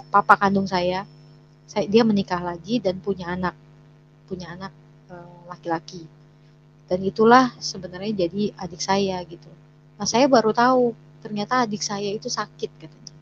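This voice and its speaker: A woman tells her conversion testimony at an even, medium pitch, stopping often to search for words. The recording is dull and lo-fi, with a faint hum underneath. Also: normal speed, pauses often. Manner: hesitant, many "eh" fillers and restarts; acts out quoted dialogue in her story. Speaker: guest sharing a conversion testimony. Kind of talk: personal testimony, told as a story.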